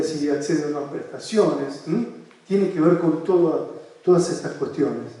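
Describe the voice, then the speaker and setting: Animated Argentine man, echoey and distant. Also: fairly high pitch. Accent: Argentine Spanish. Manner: animated storyteller who asks the audience rhetorical questions. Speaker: psychoanalyst lecturing in a seminar. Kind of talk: seminar talk with case stories. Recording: echoey room, voice from far off the mic.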